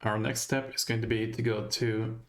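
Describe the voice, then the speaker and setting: A man's voice: lowish voice, little pitch movement, moderate pace. A man with a Swedish accent giving gameplay commentary, thinking aloud as he finds his way through a game. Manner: thinking aloud while navigating, hesitant. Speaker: let's play host.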